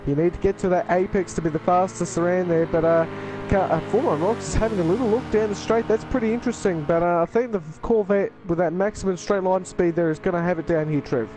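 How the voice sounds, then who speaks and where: A man's voice: high-pitched, fairly even intonation, fast talker, noisy background. A man co-commentating a sim racing stream, analysing the cars with many fillers. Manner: rambling, filler-heavy analysis.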